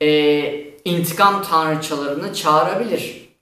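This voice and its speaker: With ordinary pitch variation, a man talks amid audible room echo. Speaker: channel host on myth. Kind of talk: explanatory talk to camera. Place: home room.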